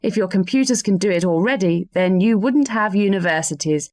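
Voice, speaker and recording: A woman lecturing new university students in a scripted welcome talk, with dry, teasing humour and clear, deliberate delivery. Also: medium pitch, lively intonation, a little mellow, no echo.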